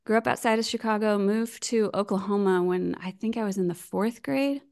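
An American woman in her forties talks easily as a podcast guest over a video call. Her voice carries a gravelly, fry-tinged texture at a middle pitch. She is chatty and self-deprecating, and she laughs often. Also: normal speed, darkish tone. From United States. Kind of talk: casual remote interview chat.

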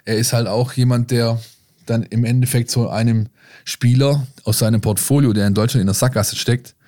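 Male football podcast co-host, medium pitch, casual and colloquial, explanatory delivery. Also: fairly even intonation, normal speed, mellow. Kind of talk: casual football talk and analysis.

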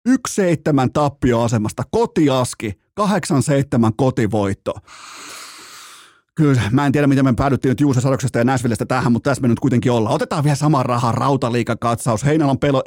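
A man's voice: medium pitch, darkish tone, no echo. Guy doing a sports podcast, jokey rambling talk, swears a bit, dry close mic. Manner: joking, rambling, with frequent laughs and mild swearing. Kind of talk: casual sports commentary podcast.

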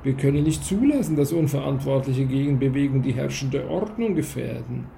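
Cold, scolding official read by a man; gravelly, dark timbre, pitched a bit high. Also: animated, fairly quick, a little hiss or hum. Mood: cold lecturing. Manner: scolding, condescending, growling. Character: stern, cold male official of a drugged state.

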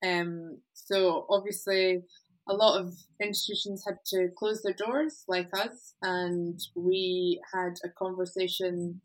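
A woman's voice: on the low side, fairly even intonation, slow, rough recording. Hesitant woman curator explaining. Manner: hesitant, many ums. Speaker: exhibition curator. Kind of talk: explanatory conversation.

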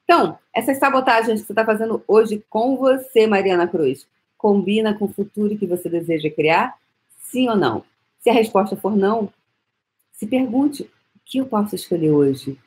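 A woman with a Brazilian Portuguese accent hosting a motivational live-stream talk, energetic and coaxing, fond of repeating phrases like a mantra. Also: mid-range voice, moderate pace. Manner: speaks intimately to the listener. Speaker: host.

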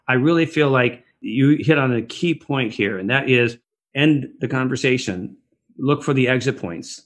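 Husky middle-aged man telling stories. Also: mid-range voice, moderate pace. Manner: rambling, reflective storytelling with restarts. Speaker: guest. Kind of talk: conversational podcast interview. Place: Los Angeles area.

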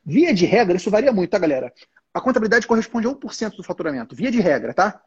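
A man's voice: high voice, very animated, rapid-fire, breathy edge, muffled recording. A man hosting a live stream, teaching in a casual, informal way and talking straight to his viewers, acting out bits of salesman dialogue along the way. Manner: informal, addresses the audience directly, acts out salesman dialogue. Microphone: headset.

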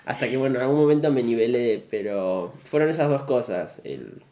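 A man tells his story in a casual, reflective way. He is a little self-deprecating and speaks at a mid-range pitch for a man. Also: lively intonation, normal speed, warm tone. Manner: reflective, self-deprecating, uses "súper" and "o sea". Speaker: interviewee, dancer. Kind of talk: casual conversation.

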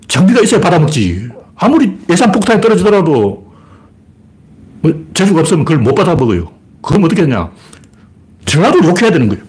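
A man hosts a casual livestream, talking bluntly and at length, his voice a bit higher than most men's. His pitch swings widely as he jumps up to mimic people mid-sentence, then drops back into plain musing. He greets viewers by name between his points. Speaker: live stream host. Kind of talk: casual political commentary livestream.

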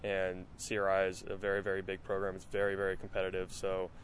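Young man, low pitch, very flat delivery, faint background noise. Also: fast. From Massachusetts, USA. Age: young adult. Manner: steady storytelling with fillers. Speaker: college rower. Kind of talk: interview answers.

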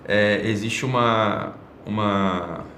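A man's voice: lowish voice, drawn-out words, a bit bright, a little hiss or hum. A man hosting an online show, giving a blunt, casual opinion monologue full of slang, swearing and rhetorical tag questions. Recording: roomy echo.

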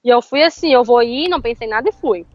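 A woman telling a story in casual chat, animated and often laughing. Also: on the high side, fast, no room sound, dull audio. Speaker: interview guest.

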